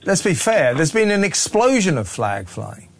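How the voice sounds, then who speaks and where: A man's voice: sits high, sing-song, moderate pace, gravelly. Opinionated male radio talk host. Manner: opinionated, cuts in on callers. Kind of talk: radio phone-in hosting.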